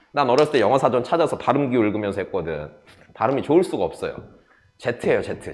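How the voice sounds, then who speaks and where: Audible room echo surrounds a man who talks fast-ish with vocal fry, a medium pitch, very wide pitch swings and an animated tone. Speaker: math teacher. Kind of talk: lecture. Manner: casual, animated.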